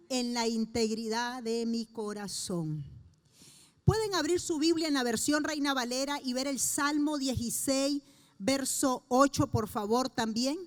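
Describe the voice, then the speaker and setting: A middle-aged woman pastor delivers a sermon. Her voice sits high, and she speaks earnestly, stretching key phrases with slow, emphatic pauses.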